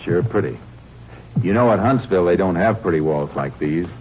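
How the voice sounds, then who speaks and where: An American actor playing a tough, terse Texas Ranger in a 1950s western radio drama. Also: male voice, deep voice, expressive, normal speed, darkish tone, muffled recording. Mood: cool menace. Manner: terse, dry, commanding. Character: tough, cool Texas Ranger lawman hero. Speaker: lead actor and narrator. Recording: noisy, band-limited old radio recording.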